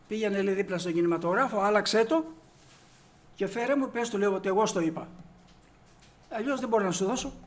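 A man with a notably high voice delivers a sermon. He tells stories and acts out the people in them, then rises into emphatic points for his listeners. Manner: storytelling, acts out dialogue, rises to emphatic peaks. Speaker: preacher. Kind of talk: sermon with anecdotes.

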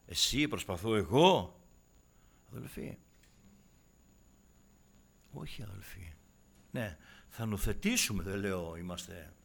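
A man preaching a sermon to his congregation, dropping to hushed asides and then rising into loud, impassioned exhortation. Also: lowish voice, creaky, a little hiss or hum. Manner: keeps addressing listeners as brothers and sisters.

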